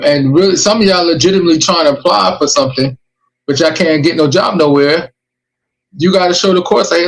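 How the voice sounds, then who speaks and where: A man's voice: a little high, gravelly, fairly bright tone, low-quality recording. A man hosting a podcast, giving emphatic, streetwise warnings and advice in casual chat. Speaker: podcast host.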